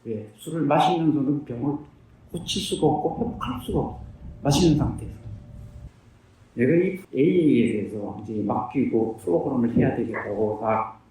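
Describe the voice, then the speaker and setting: With lively intonation, a moderate pace, and a mellow medium-pitched voice, a man in his fifties shares a personal recovery testimony, earnest and plain, answering questions he puts to himself. There's slight background noise, a very echoey room, and a distant mic.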